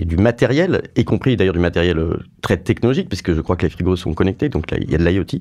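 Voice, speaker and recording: A man talks very fast with lively intonation. The background is quiet. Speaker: podcast host. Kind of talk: podcast interview.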